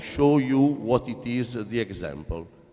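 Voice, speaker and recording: Medium-pitched man at a fairly slow pace, with noticeable background noise. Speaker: sports official. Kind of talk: audience question at conference. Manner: halting; loud.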